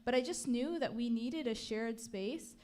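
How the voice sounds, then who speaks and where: A woman from Palestine, a native Arabic speaker, giving an earnest, measured talk on a community panel with frequent fillers. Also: on the high side, dark tone.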